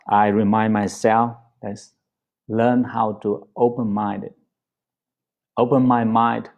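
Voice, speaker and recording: A man with a Vietnamese accent giving a Buddhist dharma talk, speaking gently with many pauses and fillers. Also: lowish voice, creaky. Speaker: Buddhist teacher.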